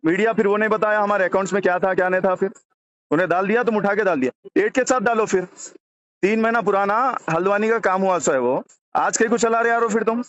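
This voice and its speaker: Confrontational, high-pitched Hyderabadi man on a call. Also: fast, a bit bright, no echo. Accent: Hyderabadi Deccani. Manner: confrontational, repeats himself insistently. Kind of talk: heated argument on a phone call. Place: phone call. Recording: dull lo-fi recorded phone call.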